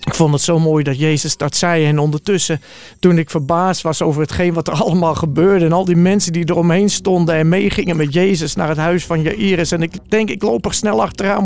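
A man's voice: on the high side, a little mellow. A man telling a Bible story in the first person as an eyewitness, in a vivid and earnest way.

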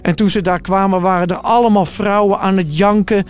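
A man's voice: sits high, steady tone, brisk, clean tone. A man telling a Bible story in the first person as an eyewitness, in a vivid and earnest way.

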